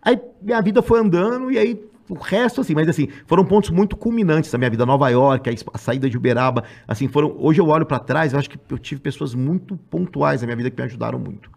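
A man's voice: a little high, quick pace, creaky, darkish tone. A middle-aged man from Brazil, a podcast guest talking in a reflective, rambling way with many fillers. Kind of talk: casual chat.

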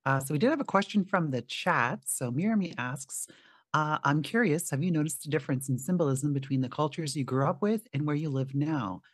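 Podcast host, relaxed and dry. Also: mid-range voice, brisk, dry recording. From Canada. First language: Arabic. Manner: relaxed, reflective, with filler "um" and "like". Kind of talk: casual interview chat.

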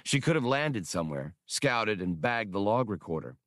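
A man's voice: fairly low pitch, big pitch swings, moderate pace, fairly bright tone, no echo. Male narrator as cocky starship pilot, smuggler, pragmatic, direct, space-opera audiobook, dry recording. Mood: alert.

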